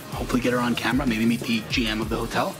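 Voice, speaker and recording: A man talking at a very fast pace over clear background music. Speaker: vlogger. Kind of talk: casual vlog chat. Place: hall. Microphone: phone near.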